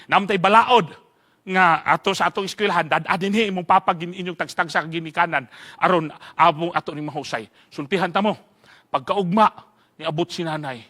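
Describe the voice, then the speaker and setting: A man from the Southern Philippines preaching a sermon, telling an animated story with frequent laughs. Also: high voice.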